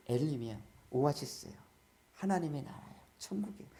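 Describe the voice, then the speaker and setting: A man with a high, warm voice preaches a sermon as a church pastor. He peppers the congregation with questions and keeps calling for amens.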